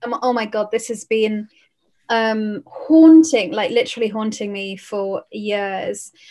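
A woman's fairly high, dark, mellow voice at a fairly slow pace, with ordinary pitch variation. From England. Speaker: professional sharing life experiences; podcast guest. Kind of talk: casual chat. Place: home room. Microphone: video call.

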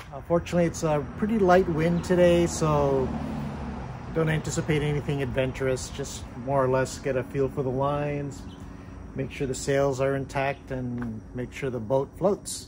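A man speaks at a moderate pace with ordinary pitch variation. Noticeable background noise is present. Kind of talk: casual vlog chat. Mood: relaxed, content. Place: garden. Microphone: camera far.

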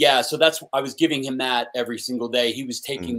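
The background stays quiet. Pitch variation in the man's speech is ordinary. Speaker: guest. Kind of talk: interview answer.

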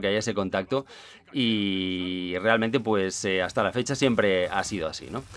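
A man with lively intonation. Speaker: gaming YouTuber. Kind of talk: casual vlog monologue. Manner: hesitant, many fillers.

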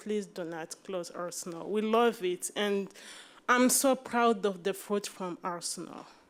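A woman with a non-native accent at medium pitch, speaking fairly slowly with ordinary pitch variation. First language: not English. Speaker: parent speaking at public hearing. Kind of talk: public testimony. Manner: halting.

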